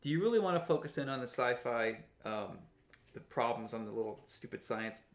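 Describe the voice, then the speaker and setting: A man's voice: mid-range voice, animated, a little fast, reverberant. A man co-hosting a podcast, telling rambling anecdotes in casual chat and laughing at his own jokes. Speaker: co-host, comic book artist.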